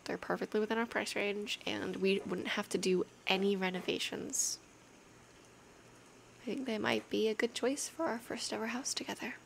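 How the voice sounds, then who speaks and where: A young adult woman speaking softly, often half-whispering, in a casual, intimate girlfriend roleplay with a slightly hesitant delivery. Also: medium pitch, fairly even intonation, normal speed. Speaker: ASMR roleplay performer playing an affectionate girlfriend. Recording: clear background noise, rainy night ambience. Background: rain ambience.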